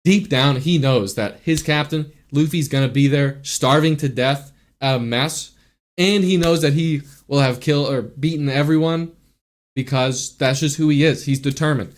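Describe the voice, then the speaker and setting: A man's voice: fairly high pitch, normal speed. A man talking about a show he loves, gushing and rambling with lots of fillers, restarts and trailing thoughts. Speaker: YouTuber ranking anime arcs. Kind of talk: casual excited commentary.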